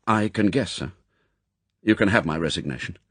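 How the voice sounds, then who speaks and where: Man playing a deferential, husky secret agent. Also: low-pitched, animated, moderate pace, a bit bright, dry recording. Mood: dejected, resigned. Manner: respectful, apologetic, polite. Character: deferential male secret agent, earnest, self-doubting subordinate. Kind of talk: audiobook character acting.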